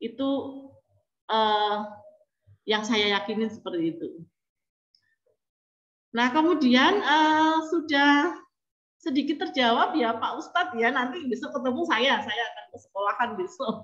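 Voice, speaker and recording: Lady teacher-trainer chatting thru a lecture on a video call, kinda high voice, echoey muffled sound. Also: measured pace, long pauses, fairly bright tone. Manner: chatty, addresses listeners often, acts out quoted students. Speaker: speaker at an online teacher training session. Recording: echoey online call audio, dull and lo-fi.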